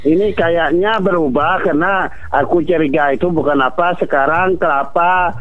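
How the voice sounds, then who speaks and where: Caller on a choppy, cutting-out phone line. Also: male voice, on the high side, normal speed. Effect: phone line breaking up and cutting out. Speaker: radio call-in caller. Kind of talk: casual chat on air. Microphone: telephone.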